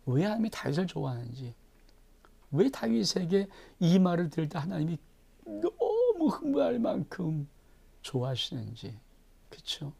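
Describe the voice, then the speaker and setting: A male pastor preaching through a Bible chapter with a gravelly, husky voice set a little high. He keeps turning to the congregation with questions. His volume swings from sudden loud bursts to soft, breathy near-whispers. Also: expressive, normal speed. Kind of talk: Bible-reading sermon.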